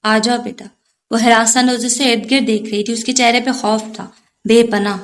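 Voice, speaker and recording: A woman reading a novel aloud, in a steady, even narration. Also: fairly high pitch. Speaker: novel reader. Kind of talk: audiobook narration of a romance novel.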